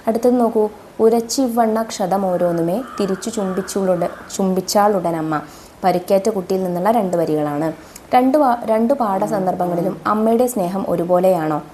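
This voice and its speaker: A woman's voice: fairly low pitch, brisk, dark tone, slight background noise. A woman teacher who goes through exam questions and reads model answers aloud to children. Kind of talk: exam revision lesson.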